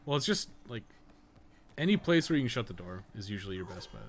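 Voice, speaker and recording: A man's voice: lowish voice, very animated, quick pace, slight background noise. A man livestreaming a game, chatting casually and thinking aloud in a rambling, slangy, sweary way. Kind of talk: casual gameplay commentary, chatting while playing.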